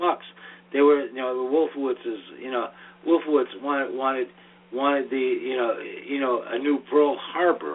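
A man speaks at a moderate pace with a fairly high pitch and ordinary pitch variation. Noticeable background noise runs behind him. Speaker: radio host. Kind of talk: casual interview chat. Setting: internet radio show, remote call. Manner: opinionated, halting, talkative.

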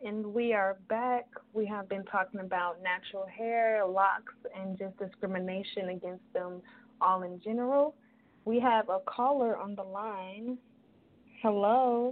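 In an American accent, a woman with an unremarkable speaking voice talks fairly slowly at a medium pitch, keeping her intonation fairly even. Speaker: radio host. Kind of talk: radio talk show. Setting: radio studio.

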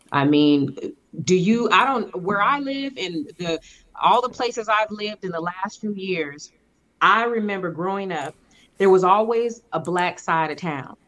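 Speaking at a fairly slow pace, a woman with a plain, everyday voice uses lively intonation at a medium pitch. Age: 40s. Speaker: podcast guest. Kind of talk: casual chat. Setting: video call. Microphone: connection going in and out.

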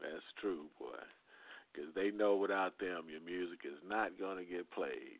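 An American accent carries this man's very deep, low voice. His delivery is monotone and flat at a fairly slow pace. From Texas. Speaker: radio show host. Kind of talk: interview.

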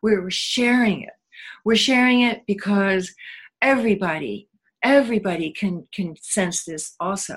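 A woman speaks at a moderate pace and medium pitch, with ordinary pitch variation. Her voice is somewhat breathy and swings widely in loudness. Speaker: author and artist. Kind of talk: interview.

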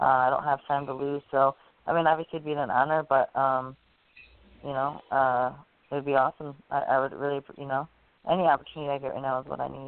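In a monotone, flat delivery, a woman speaks at a very fast pace with a very deep, low pitch. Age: 20s. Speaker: MMA fighter. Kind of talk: casual interview.

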